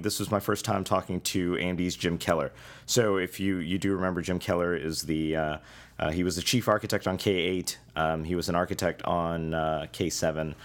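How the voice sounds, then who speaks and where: A man with a hoarse voice hosting a casual tech podcast, talking in halting bursts full of fillers and restarts. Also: low-pitched. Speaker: podcast host.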